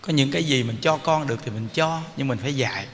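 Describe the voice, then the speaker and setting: A man with a Southern Vietnamese accent giving a folksy, animated Buddhist dharma talk, mimicking scolding parents. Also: mid-range voice, fast. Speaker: Buddhist Pure Land teacher. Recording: reverberant hall with faint ambient noise.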